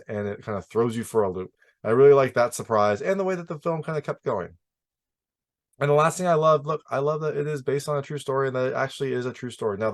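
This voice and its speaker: A man hosting a casual, opinionated film review, talking emphatically and introducing his points with repeated set phrases. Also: medium pitch.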